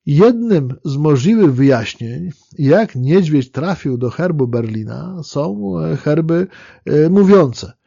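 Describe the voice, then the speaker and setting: A man with a fairly high yet dark, mellow voice delivers a measured history lecture, often pausing on fillers and restarting phrases. The recording is dry and a little muffled, with no room sound. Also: animated, gravelly, slightly rough, no echo. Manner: measured, explanatory, with fillers and self-corrections.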